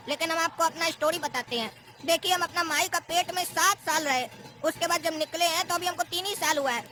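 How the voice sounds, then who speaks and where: A woman's voice: high voice, pushed and bright. A woman voicing a sly little boy on a train in a cartoon comedy, whiny and cheeky, playing innocent.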